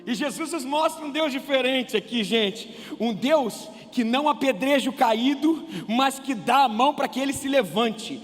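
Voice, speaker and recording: A man with a Brazilian Portuguese accent preaching a sermon, animated and conversational, asking the congregation rhetorical questions. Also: very high voice, normal speed, few pauses. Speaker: pastor. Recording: reverberant church hall with faint music.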